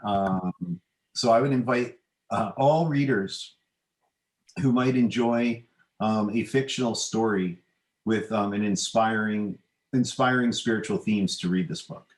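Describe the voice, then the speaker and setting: A middle-aged man, an author and podcast guest, answering in a hesitant, measured, modest way, with a roomy, echoing sound. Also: on the low side. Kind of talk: conversational interview answers.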